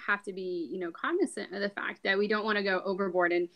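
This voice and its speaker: A woman's voice: medium pitch, fairly even intonation, fast talker, highs cut off. A woman speaking earnestly and emphatically in a casual podcast discussion.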